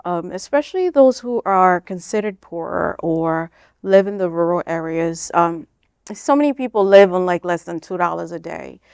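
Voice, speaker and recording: A woman from Kenya speaks as an interview guest, on the lower side in pitch. She explains things informally, peppering her sentences with "like" and "you know". The sound is dry, with very little room in it. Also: animated, moderate pace, vocal fry, darkish tone, clear, resonant tone, dry recording. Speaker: interview guest, nonprofit founder. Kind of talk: conversational interview answers.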